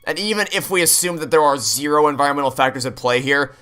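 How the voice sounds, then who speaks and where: Man, gaming streamer, bright forceful voice, ranting and sweary, faint game music behind. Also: on the high side, fast talker, clear, resonant tone. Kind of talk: casual game commentary, chatty.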